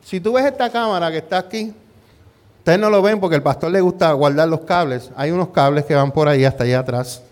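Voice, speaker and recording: A middle-aged pastor whose voice sits a bit high for a man. He preaches in a chatty, storytelling way, tossing out rhetorical questions to the congregation and mixing English words into his Spanish. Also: fairly quick, darkish tone. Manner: peppers talk with rhetorical questions and "¿verdad?". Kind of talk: conversational sermon with personal story.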